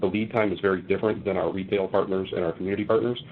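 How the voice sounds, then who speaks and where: Low-voiced male executive on a phone line. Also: steady tone, racing. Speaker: company executive answering analysts. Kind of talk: earnings call answers. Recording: phone-like conference line, faint rumble.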